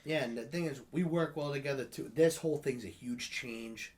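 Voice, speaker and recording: A man's voice: medium pitch, moderate pace. A man in his late twenties, stuffed up from a cold, chatting casually as an interview guest, laughing often and swearing freely. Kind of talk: casual chat.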